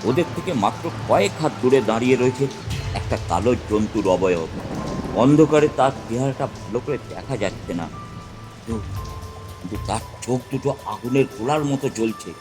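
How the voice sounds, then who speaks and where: A man's voice: mid-range voice, lively intonation, fairly quick. Man narrating a horror story over music. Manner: dramatic storytelling. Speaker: narrator and tantric guru.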